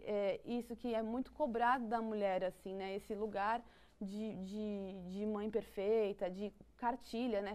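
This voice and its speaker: A psychology guest with a Brazilian Portuguese accent talks through psychology ideas in conversation, thoughtful and often restarting, with light laughs. Her voice sits on the high side, with a darkish yet clean tone.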